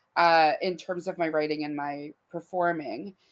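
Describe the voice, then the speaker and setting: A woman with a very deep, low pitch, fairly even intonation, and a Canadian accent. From Northwestern Ontario, Canada. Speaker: theatre artist, playwright and performer. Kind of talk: interview answer. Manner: casual, reflective.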